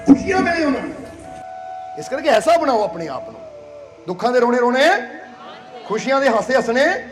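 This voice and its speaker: High-voiced man preaching with animated repetition. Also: fairly quick. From Punjab, India. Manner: animated, repeats phrases, asks the crowd "do you understand?"; coaxing and playful, laughs between lines. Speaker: spiritual leader. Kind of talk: sermon to a congregation.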